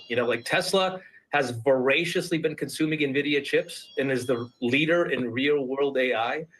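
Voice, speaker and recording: A man appearing as a guest analyst in a business TV interview, explaining his points in a measured, step-by-step way. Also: medium pitch, a bit bright, low-quality recording.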